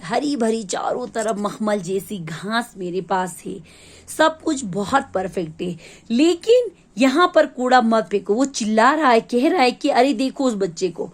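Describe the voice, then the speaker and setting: Woman teacher from Ladakh for a kids' revision video, patient and repetitive, voice on the higher side. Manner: patient, repetitive explaining, addressing children. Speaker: primary school teacher. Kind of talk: recorded revision lesson for young children.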